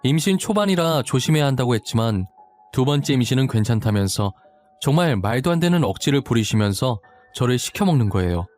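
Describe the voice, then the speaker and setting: A man narrating a first-person story in a confessional, expressive way. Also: medium pitch, a little fast, faint music behind.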